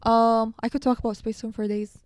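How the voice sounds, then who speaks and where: A woman's voice: a little high, level tone, fairly quick, a little mellow, no echo. A young woman co-hosting a podcast, gushing and enthusiastic in casual chat. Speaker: podcast co-host.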